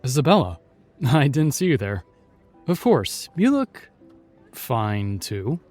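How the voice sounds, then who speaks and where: An actor playing a chivalrous, shyly tender knight in a fantasy audio roleplay, speaking with courtly, reassuring and slightly hesitant phrasing. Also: male voice, medium pitch, sing-song, takes it slowly, a little mellow, soft background music. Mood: flustered, courteous.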